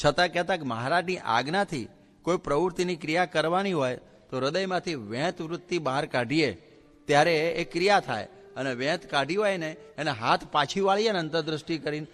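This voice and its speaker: A man, a Hindu monk, giving a religious discourse in an animated storytelling manner, acting out the lines of the people in his stories. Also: mid-range voice. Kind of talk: sermon with storytelling. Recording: long hall reverb with faint music.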